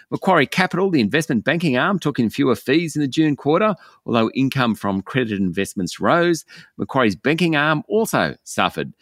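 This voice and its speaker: An Australian man presenting a scripted market news bulletin, briskly and with emphasis as he opens each item. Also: medium pitch, a bit bright, dry recording, studio quality.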